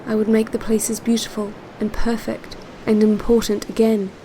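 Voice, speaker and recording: An actress playing a calm, yearning woman who narrates secret relaxation cassettes in a measured, intimate audio drama monologue. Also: fairly high pitch, a little hiss or hum, lightly acted, poor audio. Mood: wistful, longing. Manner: measured, deliberate, repetitive phrasing.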